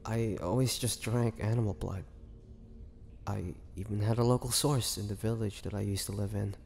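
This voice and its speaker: A man playing an ancient, gentle and wistful male vampire in an intimate audio roleplay, speaking haltingly with measured pauses. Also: fairly low pitch, fairly even intonation, creaky, slight background noise. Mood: earnest, pleading.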